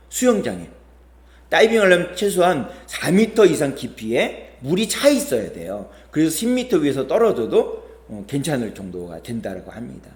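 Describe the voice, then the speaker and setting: 목사 남성, 울리는 예배당 설교. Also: male voice, on the high side, darkish tone, reverberant. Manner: storytelling with quoted voices, rising and falling emphasis. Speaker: pastor. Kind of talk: sermon. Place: church sanctuary.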